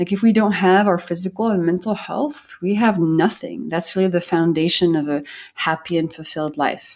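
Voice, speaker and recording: Over a quiet background, a woman with a French accent talks in a fairly low voice with ordinary pitch variation. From France. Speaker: biochemist. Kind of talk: casual chat. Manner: melodic.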